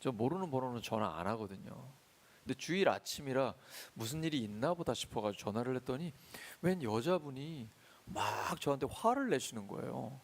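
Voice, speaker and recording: A man preaching a sermon as pastor in a church, swinging between loud emphatic lines and soft confiding storytelling. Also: medium pitch, big pitch swings, brisk. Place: church sanctuary.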